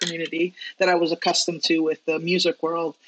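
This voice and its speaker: With an American accent and an ordinary speaking voice, a woman talks at a fairly quick pace in a fairly low pitch over light background noise. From US East Coast. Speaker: band director; guest. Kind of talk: panel discussion. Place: home room. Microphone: webcam.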